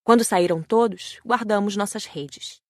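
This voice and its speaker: Female audiobook narrator, Brazilian accent, medium pitch, very dry studio-like sound. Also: a little slow, no room sound. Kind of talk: scripted narration.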